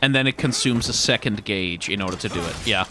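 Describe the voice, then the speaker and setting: A man's voice: lowish voice, a little fast, background noise. A man doing casual gameplay commentary, thinking aloud in a musing, wryly exasperated way. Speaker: video game streamer.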